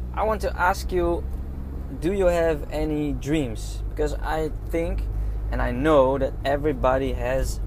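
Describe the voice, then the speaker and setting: A man at a very slow pace, a dry sound with no echo and light background noise. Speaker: lifestyle vlogger. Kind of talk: casual vlog chat. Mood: calm, motivational. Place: car. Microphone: earbuds.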